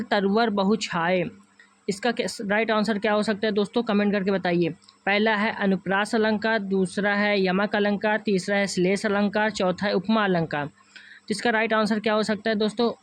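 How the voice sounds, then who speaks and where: A man with a voice that sits high teaches an online exam-prep class in a north Indian Hindi accent. Calling his viewers friends, he patiently goes back over every option again and again.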